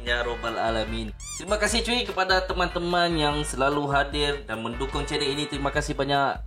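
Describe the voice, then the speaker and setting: A man hosting a reaction channel, commenting casually and addressing viewers informally. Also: on the high side. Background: music.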